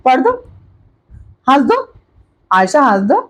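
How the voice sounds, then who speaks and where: An older woman with a fairly high voice talks slowly at home, coaxing a baby in a repetitive, sing-song way. She speaks into a clip-on mic held in her hand, drawing out her words gently. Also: very animated, poor audio. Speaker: vlogger grandmother. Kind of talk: home family vlog.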